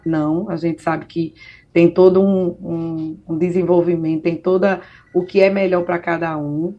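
A woman doctor explaining a medical treatment on a radio call-in show, steady and patient, often tagging "right?" onto her points. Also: fairly low pitch, lo-fi sound. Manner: explanatory, many fillers like "né". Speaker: ENT doctor guest. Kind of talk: radio interview answers.

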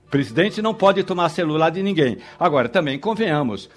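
A man's voice: fairly high pitch, animated, a little fast. A man with a Brazilian accent giving political commentary as a radio panelist, emphatically restating his points.

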